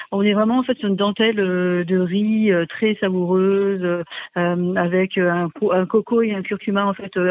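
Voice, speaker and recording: A woman with a plain, everyday voice speaks at a fairly slow pace, at medium pitch with ordinary pitch variation. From Vietnam, Sino-Khmer family. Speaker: restaurant owner. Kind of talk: radio interview. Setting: phone call.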